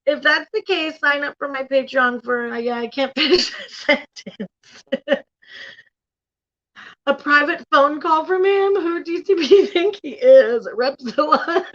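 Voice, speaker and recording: A woman's voice: sits high, slow, pauses often, fairly bright tone. A woman hosting a casual commentary stream, blunt and profane, laughing often as she reacts. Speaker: YouTube commentary host. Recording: slightly dull lo-fi sound.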